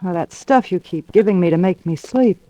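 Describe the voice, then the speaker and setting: An actress playing an anxious, bedridden wife of a music professor in a 1940s radio drama, narrating with quiet fear. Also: female voice, on the low side, fairly quick, natural voice. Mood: uneasy. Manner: fearful, confiding narration. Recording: dull old radio broadcast recording.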